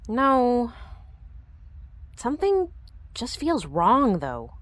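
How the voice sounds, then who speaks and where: A woman's voice: on the high side, wildly swooping pitch, extremely slow, no echo, heavily acted. An actress playing a troubled, guarded woman with no memory who senses danger, in an audio drama. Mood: uneasy, frustrated. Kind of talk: audio drama acting with first-person narration.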